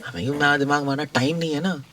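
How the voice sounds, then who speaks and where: A man's voice: fairly high pitch, steady tone, fast, fairly bright tone, recorded from a distance. A monk giving informal spiritual guidance in a conversational way, repeating his points and chuckling now and then.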